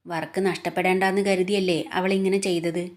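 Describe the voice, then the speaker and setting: Woman narrator doing a kind male manager in a storybook, calm and pleading. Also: lowish voice, moderate pace, close to an everyday voice. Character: sympathetic male office manager.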